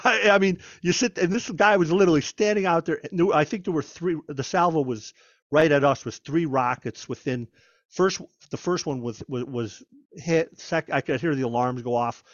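Man telling stories, somewhat high voice, stumbles and repeats words, dry dull sound. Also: moderate pace, no room sound. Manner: animated, repeats words and restarts often. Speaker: guest, former FBI agent. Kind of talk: conversational storytelling.

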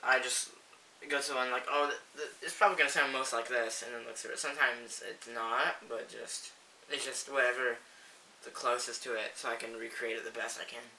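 A man's voice: medium pitch, fairly even intonation, brisk, gravelly, bright, forceful tone. A man as a guest in a casual chat, explaining things hesitantly and rambling with many fillers. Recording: roomy, distant mic, faint hiss.

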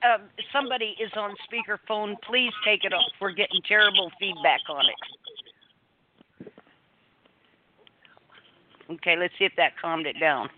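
A man's voice: high-pitched, a little slow, pauses often. A man moderating a conference call, heard over a phone speaker line and giving polite but firm instructions. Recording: tinny phone line with noise.

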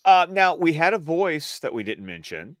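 A man's voice: on the high side, very animated, moderate pace, dry recording, clean studio sound. A man co-hosting a fan stream, cheerfully explaining scenes and adding trivia about the voice cast. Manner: enthusiastic, fond, adds trivia. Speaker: podcast co-host. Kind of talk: casual fan commentary on a cartoon.

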